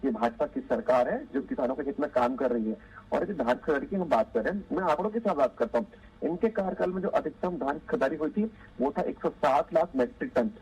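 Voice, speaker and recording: A man's voice: fairly high pitch, expressive, brisk, a little mellow, husky, low-quality recording. A man speaking assertively as a ruling party spokesperson in a TV political debate, defending his side insistently.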